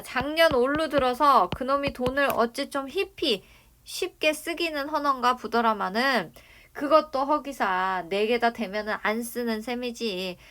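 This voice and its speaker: A woman's voice: a little high, a bit bright, close to an everyday voice. A woman voicing a domineering old rich grandfather with a Jeolla accent who nags and bullies his grandsons. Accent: Jeolla dialect. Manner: nagging, bullying, scolding. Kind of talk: dramatic reading of a novel.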